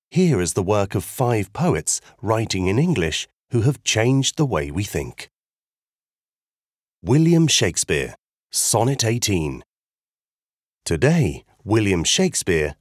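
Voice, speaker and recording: A man giving a scripted educational narration about poetry, in a clear, measured explanatory way. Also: deep voice, darkish tone, no echo, studio quality.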